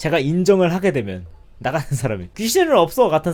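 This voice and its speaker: Over music in the background, a man with a fairly high pitch speaks in an animated tone, his pitch swinging very widely. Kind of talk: live-stream chat, casual talk replying to viewers. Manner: conversational, animated, reacting to chat.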